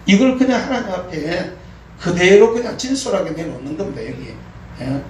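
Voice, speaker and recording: A man's voice: high voice, lively intonation, moderate pace. A middle-aged man preaching a sermon in a folksy way, acting out prayers and grumbles with frequent laughs. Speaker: pastor. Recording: echoey room, mic at a distance, faint noise.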